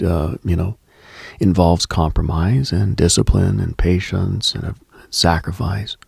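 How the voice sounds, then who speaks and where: A man hosting a late-night radio show, giving a slow, contemplative monologue with halting pauses in a husky, gravelly voice, close on the mic. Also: low voice, dry recording. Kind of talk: reflective late-night spiritual monologue, ASMR-like.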